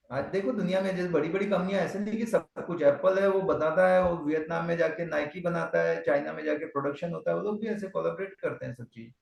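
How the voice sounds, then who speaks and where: A man's voice: sits high, gravelly, a little mellow. A man coaching real estate agents on a video call, urging them on and repeating his points in short bursts. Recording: echoey and distant from the mic.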